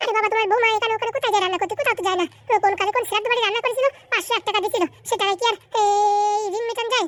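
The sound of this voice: A woman does a cartoonish character voice at an extremely high pitch, talking very fast with fairly even intonation, and the sound is dry and close with no echo.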